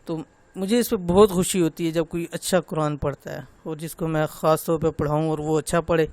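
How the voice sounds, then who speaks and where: A man teaching Quran recitation, slowly spelling out syllables and pointing out common mistakes. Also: a little high, steady tone, dry recording. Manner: slow, drawn-out demonstration of syllables, then gentle personal talk. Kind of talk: online tajweed lesson.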